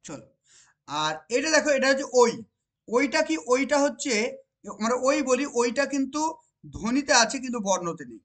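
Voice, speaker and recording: A woman with a West Bengal accent teaching an exam-prep grammar lesson. She repeats each point and keeps asking whether it is clear. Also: sits high, big pitch swings. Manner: repeats points and asks rhetorical check questions; slows down to stress key phrases.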